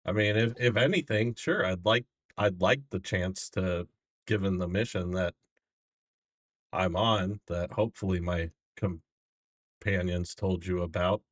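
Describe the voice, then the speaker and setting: Casting: male player as a world-weary, unrepentant fantasy prisoner, low register, blunt and resigned delivery. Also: dry recording. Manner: blunt, resigned, halting confession.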